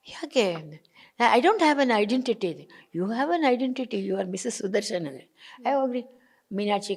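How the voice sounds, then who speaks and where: A woman's voice: medium pitch, vocal fry, darkish tone. An older actress, talking about her late husband in an emotional interview and acting out his remembered words, with English phrases mixed in. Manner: mixes in English phrases, acts out remembered dialogue.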